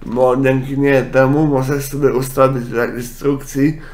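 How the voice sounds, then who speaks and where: Slow-talking man with blocked nose. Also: mid-range voice, little pitch movement, darkish tone. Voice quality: congested, blocked-nose sound; speech impediment, imperfect articulation. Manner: halting, with self-corrections. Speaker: software tutorial presenter. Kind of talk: casual screen-recorded software walkthrough.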